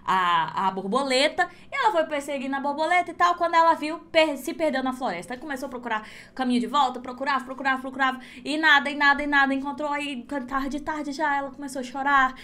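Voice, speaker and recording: A woman teaching a crochet class who tells stories in an animated, chatty way and laughs often. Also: sits high, quick pace, few pauses. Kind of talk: lively live class storytelling.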